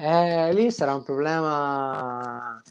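The background is quiet. The voice belongs to a man. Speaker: co-host. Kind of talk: casual chat, live reaction. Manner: casual, opinionated, laughing. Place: home room. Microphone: video call.

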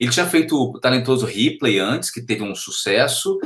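Against a quiet background, a man speaks with lively intonation at a fairly quick pace. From Rio de Janeiro, Brazil. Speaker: voice actor. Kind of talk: interview answer.

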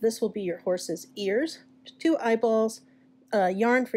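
This woman's voice has a dark, mellow tone and ordinary pitch variation. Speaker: craft instructor. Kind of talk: tutorial. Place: home room. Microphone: phone near.

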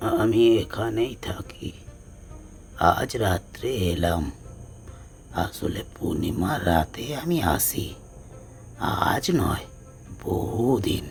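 A raspy, put-on character voice from a man at a fairly low pitch and very slow pace, with clear background noise. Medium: audio drama. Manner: mysterious, slow.

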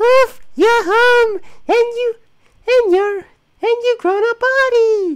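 In a put-on character voice, the speaker uses an extremely high pitch and moves at a very slow pace. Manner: cartoonish, sing-song.

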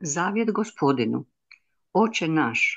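A woman at a fairly slow pace. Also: quiet background. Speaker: congregation member. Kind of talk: reading aloud. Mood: solemn and devotional. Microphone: video call.

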